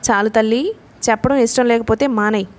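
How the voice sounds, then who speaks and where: A woman's voice: fairly high pitch, steady tone, a little fast, natural voice. A woman reading a novel aloud, voicing a young woman who presses her friend impatiently. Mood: pressing.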